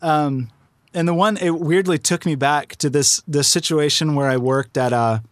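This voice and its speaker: A man's voice: a little high, normal speed, dry recording. A man co-hosting a podcast in casual chat, rambling with many restarts. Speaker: podcast co-host.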